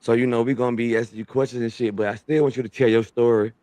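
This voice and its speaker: A man's voice: medium pitch, fairly even intonation, fast, mellow, no echo. A man hosting a podcast, laid-back and joking in street slang. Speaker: podcast host. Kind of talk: casual podcast chat.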